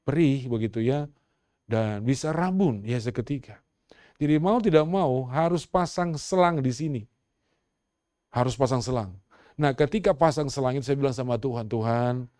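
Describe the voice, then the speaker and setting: A middle-aged man preaching a sermon as pastor, moving from quiet storytelling to loud, rousing exhortation and calling on the congregation to respond. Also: mid-range voice, moderate pace, no room sound, clean studio sound.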